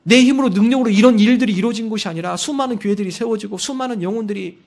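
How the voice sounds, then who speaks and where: A man pastor preaching a Sunday sermon, telling stories and acting out quotes, and rising to loud emphasis on key lines. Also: sits high, rapid-fire, gravelly. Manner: storytelling with acted quotes.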